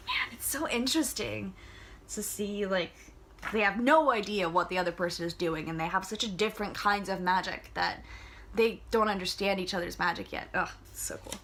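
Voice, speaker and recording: A woman's voice: mid-range voice, moderate pace, a bit bright, a little hiss or hum. A young woman reading a novel aloud, casual and enthusiastic, with chatty asides and small stumbles. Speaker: audiobook reader.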